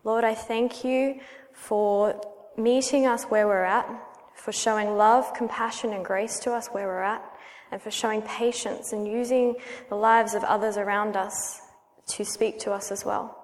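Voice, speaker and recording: An Australian woman in her thirties, praying and then giving her personal testimony as a guest speaker in a church, earnest and measured. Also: mid-range voice, fairly even intonation. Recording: long hall reverb.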